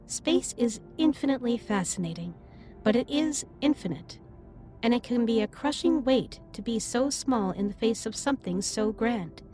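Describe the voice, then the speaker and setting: Woman as alien starship captain for intimate sci-fi audio drama: higher-pitched, formal, gently reassuring, over music. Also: expressive, normal speed, natural voice. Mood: solemn, supportive. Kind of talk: scripted roleplay audio drama, intimate comforting monologue. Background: ambient music.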